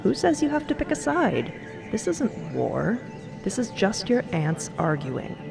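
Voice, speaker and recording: A woman's voice: medium pitch, big pitch swings, measured pace, creaky, music in the background, heavily acted. A woman playing a no-nonsense grandmother and sword mentor in an audio drama, firm and reassuring. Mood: firm reassurance. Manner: firm, reassuring, matter-of-fact. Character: steady, no-nonsense old granny and sword mentor.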